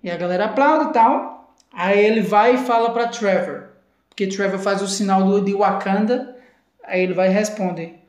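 A woman with a Brazilian Portuguese accent teaching English from a video clip, repeating English phrases slowly and carefully. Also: medium pitch, a little mellow, roomy sound. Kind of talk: language lesson explaining a video clip.

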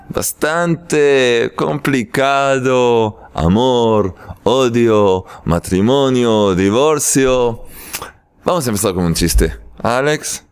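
A man giving a spiritual lesson with jokes in a lively storytelling manner. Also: mid-range voice, clear, resonant tone. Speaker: religious teacher. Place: in Jerusalem.

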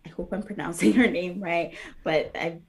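A woman's voice: lowish voice, steady tone, normal speed, creaky, a little mellow. Earnest woman describing her books. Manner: earnest, many fillers and restarts. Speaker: children's book author. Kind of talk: casual interview talk.

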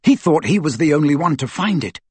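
Storybook lead: teenage boy, played by a man, determined and direct, urgent delivery with animated intonation. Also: fairly high pitch, brisk, slightly rough, dry recording, pitched above the performer's own voice.

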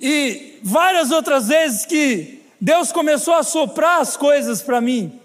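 Brazilian male pastor, very high voice, funny storyteller, preaching in a reverberant church hall. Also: animated, slow pace. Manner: humorous storytelling, chatty asides to the congregation. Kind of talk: sermon.

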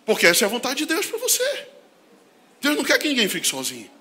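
A man from Brazil, a pastor preaching a sermon, swinging from shouted emphasis to hushed asides and laughing often. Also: extremely high pitch, wildly swooping pitch, fast.

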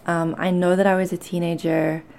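A woman speaks in a low-pitched, mellow voice with plenty of fry in it. Her accent blends South African and Canadian. She talks like a podcast host confiding in listeners, candid and conversational, often pausing to find her words. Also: level tone, slight background noise. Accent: mixed South African and Canadian. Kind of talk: personal confessional talk to listeners.

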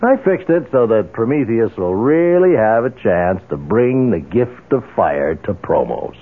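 An actor playing a shrewd, confident, dryly amused investigator in a 1970s radio drama. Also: male voice, fairly low pitch, expressive, unhurried, slight background noise. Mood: wry, determined. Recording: muffled phone-like 1970s radio recording.

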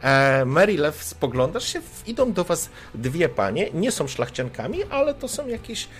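A man's voice: on the high side, big pitch swings, moderate pace, fairly bright tone, faint music behind. A man running a tabletop role-playing game as game master, narrating with lots of hesitant fillers.

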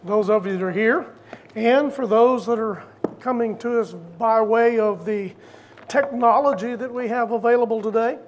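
An older preacher delivering a sermon in a folksy storytelling way, repeating phrases deliberately for emphasis. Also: mid-range voice, a little hiss or hum.

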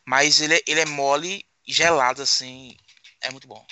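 A man's voice: medium pitch, fairly even intonation, normal speed, bright, forceful tone, smooth, no echo. A man chatting casually, emphatic and given to repeating himself. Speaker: tabletop group member. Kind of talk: casual chat.

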